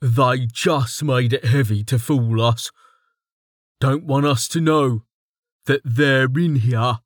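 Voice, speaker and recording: A narrator voicing Mig, a teasing, slow-witted young male guard who insists on a conspiracy. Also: mid-range voice, no echo, clean studio sound. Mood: insistent. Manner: teasing, stubborn conspiracy talk.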